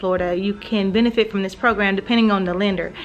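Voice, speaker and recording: Over light background noise, a woman with a Southern US accent speaks with fairly even intonation. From south Mississippi. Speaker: mom vlogger. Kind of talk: casual talk to camera. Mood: upbeat, joyful. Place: home room. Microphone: phone near.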